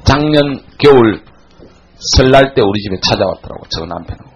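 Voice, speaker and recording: A man in his forties giving a classroom lecture, telling a blunt, animated story to his students. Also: mid-range voice, normal speed, slightly rough, poor audio. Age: 40s.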